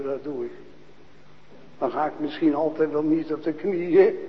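A man preaching a sermon to a congregation, asking questions and answering them, dropping to a hush and then rising to loud proclaiming. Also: on the high side, vocal fry, long reverb tail, highs cut off, slight background noise. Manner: slow, questioning, swings from hushed to loud proclaiming. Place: church.

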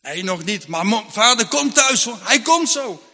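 A man's voice: high-pitched, animated, unhurried, sharp tone, heavily acted. A man voicing a worried farm mother who questions anxiously in a story.

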